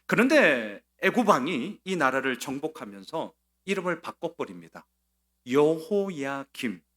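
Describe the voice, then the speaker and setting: Korean-church-style pastor guy preaching, fairly high voice, really animated, keeps firing questions at the room. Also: normal speed. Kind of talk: Sunday sermon.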